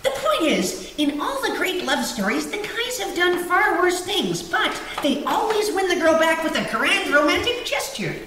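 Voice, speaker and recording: A woman voicing a nerdy, pedantic, earnest younger brother in an animated sitcom read. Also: very high voice, moderate pace, hardly any pauses. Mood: eager. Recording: distant, very echoey, noisy room.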